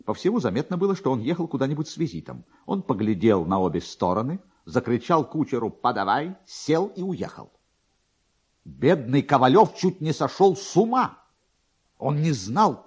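Highly animated, husky male narrator. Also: normal speed. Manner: theatrical, expressive. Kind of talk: dramatic literary narration.

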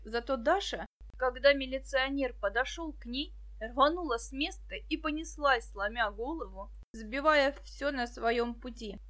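High-voiced woman narrating a story. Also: a bit bright. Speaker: audiobook narrator. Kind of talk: scripted narration.

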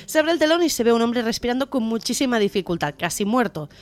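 A woman's voice: a little high, lively intonation, fast talker, faint music behind. A woman co-hosting a radio comedy show, chatty and telling jokes with frequent laughs.

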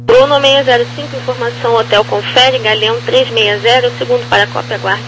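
A woman's voice: fairly high pitch, fairly even intonation, fairly quick, fairly bright tone. A Brazilian woman working as a ground air traffic controller, giving clipped procedural instructions over aviation radio. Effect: crackly aviation radio. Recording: noisy crackly aircraft radio channel.

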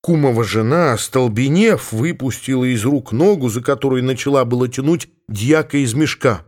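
Expressive male audiobook narrator. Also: mid-range voice, moderate pace. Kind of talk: audiobook reading of classic prose.

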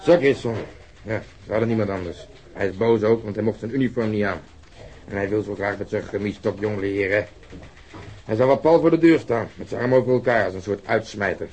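An actor playing a blunt, sardonic, impatient police detective in a radio drama. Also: male voice, lowish voice, brisk, darkish tone, husky. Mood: animated, cynical. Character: gruff, sarcastic, impatient plainclothes police detective, male. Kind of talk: Dutch radio drama acting. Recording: noisy old radio drama recording.

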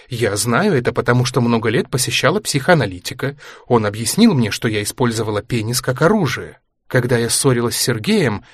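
A man's voice: mid-range voice, husky, no room sound, clean studio sound. A man voicing a proud, anxious aging ex-ballerina. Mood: bitter confession. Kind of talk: audiobook character reading.

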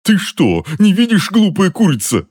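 A man reading an audiobook and voicing a cursed, tormented middle-aged uncle who snarls, whines and wails in a shrill, strained voice. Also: big pitch swings, moderate pace, a little mellow. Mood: anguished, snarling. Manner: shrill, wailing, pleading.

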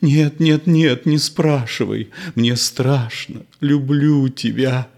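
A man's voice: medium pitch, steady tone, slow pace, vocal fry, voice pushed up. A man doing a frightened, clinging woman. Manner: soft, fearful, pleading. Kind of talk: reading a play aloud.

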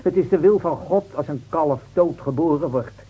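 A man's voice: fairly high pitch, normal speed, breathy edge. An actor playing a scornful, officious city-bred policeman in a Dutch radio drama, lecturing and brusque. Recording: muffled old radio recording.

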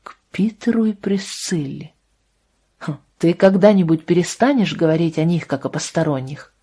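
A calm young man, voiced by a woman reader, speaking low and softly. He stays restrained and firm, never raising his voice. The tone is dark and a little husky. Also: brisk.

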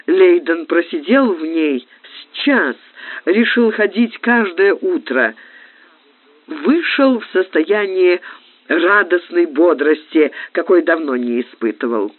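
Expressive male narrator on a tinny line. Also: fairly high pitch, takes it slowly. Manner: expressive, theatrical phrasing. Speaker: audiobook narrator. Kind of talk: literary audiobook reading. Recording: tinny phone-like lo-fi recording.

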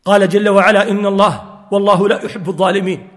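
A man's voice: high-pitched, fairly even intonation, fast, fairly bright tone. A man preaching a sermon with fervent emphasis, quoting scripture and telling stories to his listeners. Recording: long hall reverb.

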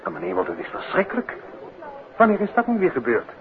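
Animated formal gentleman, old radio. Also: sits high, fast, narrow, tinny audio. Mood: shocked, concerned. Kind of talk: 1950s Dutch radio drama acting. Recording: thin old radio, crowd murmur behind.

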